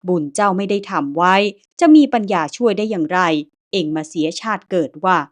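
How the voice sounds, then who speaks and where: A woman voicing a huge, gruff male guard of the underworld who barks coarse orders. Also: mid-range voice, brisk, natural voice. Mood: scolding. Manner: barking, coarse.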